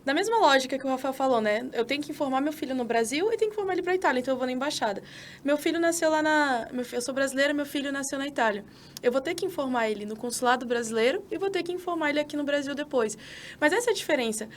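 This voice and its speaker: Fast, high-voiced Brazilian woman. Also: slight background noise. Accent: Brazilian Portuguese. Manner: energetic, persuasive, addresses listeners directly. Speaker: citizenship consultant, podcast co-host. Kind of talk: casual podcast chat.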